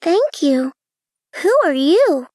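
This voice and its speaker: Woman as a shy young unicorn girl, high and bashful, slow, dry. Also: very animated, no echo, heavily acted. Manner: bashful, soft. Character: shy young female unicorn who sings.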